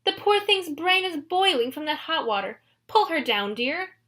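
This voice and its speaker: A woman voicing a nervous adolescent male satyr who stammers and talks in a high, fluttery way. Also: expressive, moderate pace, a bit bright. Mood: flustered.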